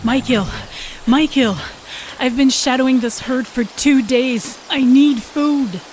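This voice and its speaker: A woman's voice: high voice, slow pace, darkish tone, slight background noise, poor audio. A woman playing a hungry, injured lone she-wolf in an audio drama, wary but defiant, with terse, pleading delivery. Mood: defiant, urgent. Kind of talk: dramatic audio fiction acting.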